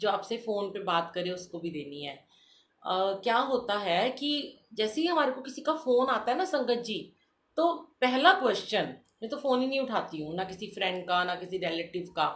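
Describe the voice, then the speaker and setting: A woman speaks with very wide pitch swings. Her voice sits fairly high. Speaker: spiritual satsang host. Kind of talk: live satsang talk. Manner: animated, conversational.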